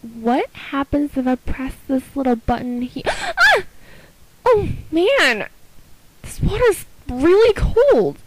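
A woman voicing an excitable, innocent teenage schoolgirl with a fiery temper and an exclamatory manner, for an amateur audition. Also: high-pitched, takes it slowly, a little hiss or hum, exaggerated voice, poor audio. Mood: curious, startled. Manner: wide-eyed, exclamatory.

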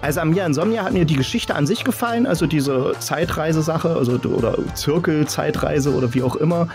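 A man's voice: on the high side, fairly quick, a little mellow, soft background music. A man chatting casually as a podcast guest and critic, colloquial and enthusiastic in the way he talks.

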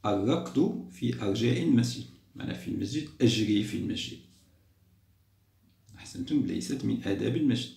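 Low gravelly guy walking little kids through a test, patient, lots of praise, echoey room. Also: expressive, quick pace, long pauses, darkish tone. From Algeria. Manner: patient, repeats and praises pupils. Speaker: primary school teacher. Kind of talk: explaining a school test to children.

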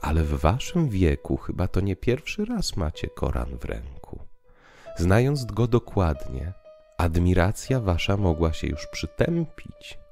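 A man voicing a courteous, gently mocking knight in an audio drama, speaking formally and reasonably. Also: sits low, very animated, measured pace, gravelly, heavily acted. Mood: reasoning. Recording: piano music underneath.

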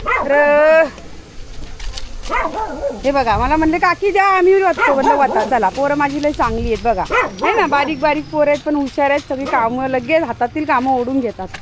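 A woman vlogging about her dog in casual chat, often shooing and calling out loudly. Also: sits high, normal speed, heavy background noise. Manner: scolding and shooing the dog, loud calls. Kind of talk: casual pet vlog.

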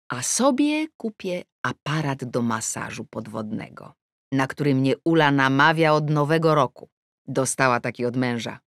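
Female audiobook narrator, wry and ironic, unhurried, very lively pitch, dry booth sound. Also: gravelly, dry recording. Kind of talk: first-person audiobook narration.

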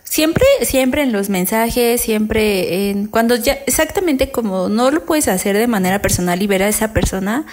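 A woman with a Mexican accent co-hosting a podcast in casual chat, chatty and reflective and quick to laugh. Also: medium pitch, animated. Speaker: podcast co-host.

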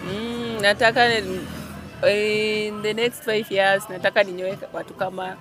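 A woman's voice: medium pitch, level tone, a little slow. A young Kenyan woman from Nyanza, a barber being interviewed outdoors, giving short, shy answers. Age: young adult. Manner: brief, shy answers with light laughs. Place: outdoors on a shop front bench. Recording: music playing behind.

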